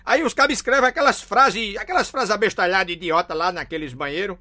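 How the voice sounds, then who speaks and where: High-voiced Northeastern Brazilian joke teller. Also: male voice, fast talker. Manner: lively storyteller, slangy, laughs at own punchlines, acts out squealing women. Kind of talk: telling crude jokes.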